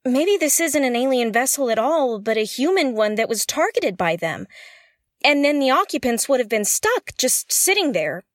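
A woman's voice: high voice, big pitch swings, normal speed, dry recording, clean studio sound. A woman playing a curious, jittery explorer alone on a derelict spaceship, thinking aloud in an audio drama in a hesitant, exclamatory way. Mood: alarmed, speculating. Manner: hesitant, exclamatory, muttering to herself.

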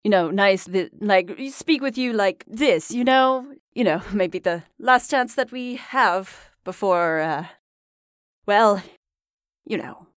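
A woman's voice: mid-range voice, slow pace, no room sound, studio quality, natural voice. A woman voicing a suave, menacing male vampire lord who plays host at a dinner. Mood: weary. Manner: smooth, theatrical, later weary and awkward.

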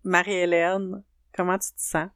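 A woman co-hosting a podcast, speaking calmly and relaxed. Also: fairly low pitch, moderate pace, dry recording, clean studio sound. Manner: calm, relaxed. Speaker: podcast co-host. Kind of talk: casual chat.

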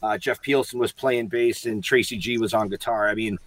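A man's voice: fairly low pitch, fairly even intonation, a bit bright. A man hosting a casual interview, gushing with praise and often restarting his sentences. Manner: effusive, halting with fillers and restarts. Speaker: podcast host.

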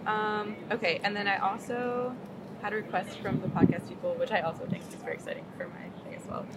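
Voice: medium pitch, fast talker, heavy background noise. An interviewer asking short questions and giving brief prompts.

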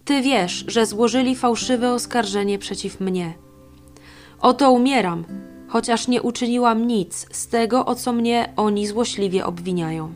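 A woman reading the slow, solemn prayer of a condemned young wife. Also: on the high side, faint music behind, close to an everyday voice. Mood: pleading.

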